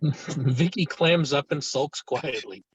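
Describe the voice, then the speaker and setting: Husky man narrating a screenplay. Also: fairly high pitch, takes it slowly, lo-fi sound. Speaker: narrator reading stage directions. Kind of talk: scripted narration in a virtual table read.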